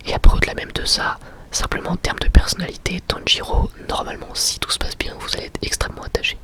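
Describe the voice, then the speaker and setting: A young adult man gives an informal, slangy ASMR review in a breathy, unvoiced whisper. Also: fast talker. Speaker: ASMR creator and anime reviewer.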